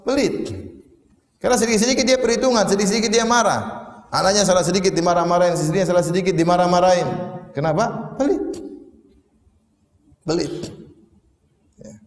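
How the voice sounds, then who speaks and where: A man delivers a sermon in a fairly high voice, asking rhetorical questions and acting out little scenes for humor. His voice rings through a large hall, with a long reverb trailing each phrase. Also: darkish tone. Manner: humorous storytelling with acted quotes and rhetorical questions. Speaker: Islamic preacher.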